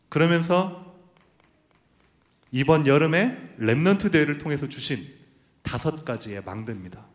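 A man who is a pastor, preaching a sermon and telling a personal story, acting out the voices of people he quotes. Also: medium pitch.

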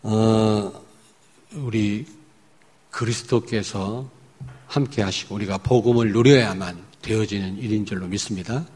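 A male pastor preaching a sermon emphatically, swinging between loud points and hushed asides. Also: fairly low pitch, unhurried, breathy edge. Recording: echoey hall.

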